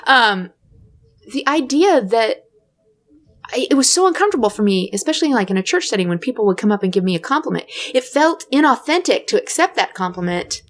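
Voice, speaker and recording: Slightly high and sing-song, her voice runs a bit fast as she co-hosts a relaxed podcast conversation. She's reflective and tentative about her points, regularly restarting with "I mean."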